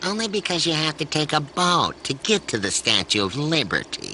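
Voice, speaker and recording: A man puts on a cartoonish character voice with a fairly high pitch, moving at a moderate pace. Clear background noise is heard throughout. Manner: gruff, sarcastic.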